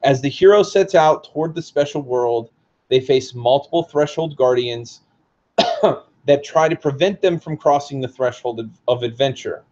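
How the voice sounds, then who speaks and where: A hoarse man, the book's author, reads passages aloud from his own book and explains them with casual asides. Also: medium pitch, animated, measured pace, a little mellow, lo-fi sound.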